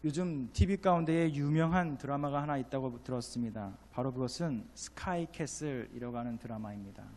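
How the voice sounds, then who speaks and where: A man preaching a sermon, swinging from loud exhortation down to hushed, slow storytelling. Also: mid-range voice. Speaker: pastor. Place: church sanctuary. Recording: long church hall reverb.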